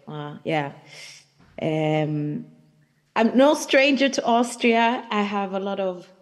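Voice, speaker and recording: Woman guest, mid-pitched, slow and reflective, on a video call with hall reverb. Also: a little mellow. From Sweden. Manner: unhurried and reflective, with many fillers. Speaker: hip hop dancer, interview guest. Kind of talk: casual interview conversation.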